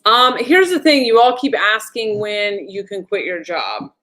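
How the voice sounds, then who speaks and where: A woman's voice: medium pitch, expressive, a little slow, pushed and bright. Blunt, profane woman on a livestream. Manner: reads viewer comments aloud. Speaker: spiritual channeler giving an energy update. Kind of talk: casual livestream chat.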